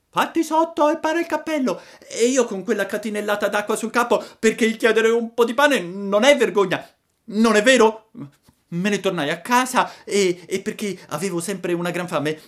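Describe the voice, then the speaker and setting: A man's voice: high voice, pitched above the performer's own voice, natural voice. A man voicing a cheeky, whining wooden puppet boy who sobs and pleads. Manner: whiny, sobbing, pleading.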